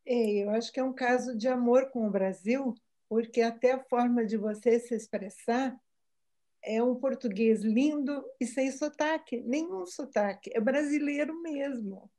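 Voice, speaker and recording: Mellow woman asking interview questions. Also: fairly high pitch, measured pace. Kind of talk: casual interview.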